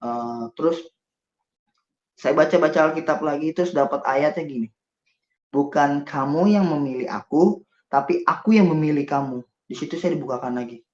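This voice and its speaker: A man's voice: a little high, normal speed, pauses often. A man telling his personal testimony in a conversational, emotional way, acting out the dialogue as he goes. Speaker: testimony guest. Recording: roomy, dull sound.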